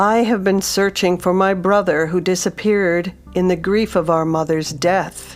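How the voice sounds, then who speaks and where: A female-sounding put-on character voice growls at a middle pitch and a moderate pace, with hardly any pauses. Clear music plays in the background. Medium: read story. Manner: terse and guarded.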